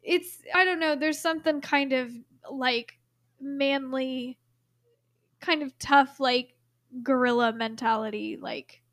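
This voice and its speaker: Giggly high-voiced woman. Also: slow pace, a bit bright, dry recording, clean studio sound. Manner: giggly, playful, teasing. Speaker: podcast co-host. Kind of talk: casual chat.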